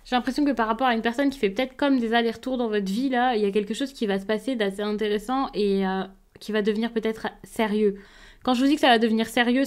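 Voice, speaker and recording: A woman giving a tarot reading to camera, gentle and reassuring, often pausing with hesitant fillers. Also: on the high side. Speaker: tarot card reader.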